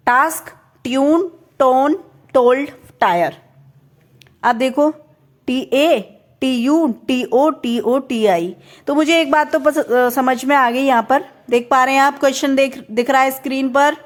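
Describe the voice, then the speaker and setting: High-voiced young woman explaining step by step. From India. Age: young adult. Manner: step-by-step, asks the viewer questions. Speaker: teacher. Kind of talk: explaining a reasoning lesson.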